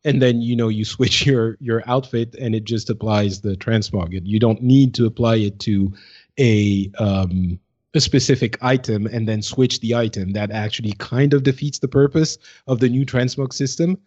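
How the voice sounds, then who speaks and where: A man co-hosts a casual discussion in a medium-pitched voice. He reasons aloud, restarting and repeating words as he goes. The recording is a little dull and lo-fi. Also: steady tone, normal speed, darkish tone. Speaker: podcast co-host.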